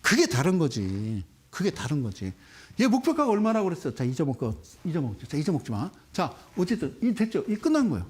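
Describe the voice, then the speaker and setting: Lively high-voiced male stock lecturer. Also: fairly quick. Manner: teasing, banters with rhetorical questions; repeats key words emphatically. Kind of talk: animated classroom lecture.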